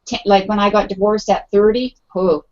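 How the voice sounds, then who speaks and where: A woman's voice: medium pitch, fairly even intonation, moderate pace, darkish tone. A middle-aged woman talking in a casual panel discussion, chatty and full of fillers, acting out quoted thoughts. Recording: muffled lo-fi audio.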